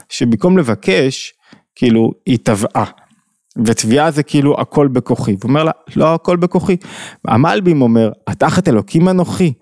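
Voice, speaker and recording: A man giving a Torah lesson, acting out the quoted dialogue between figures with lively rises in pitch. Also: no room sound, clean studio sound. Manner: animated, acts out quoted dialogue with rising pitch. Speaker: teacher.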